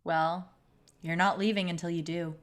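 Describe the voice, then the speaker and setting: A woman playing a crude junior high bully in a script read, blunt and threatening. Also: fairly even intonation, normal speed, natural voice. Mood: menacing. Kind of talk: table read of a film script.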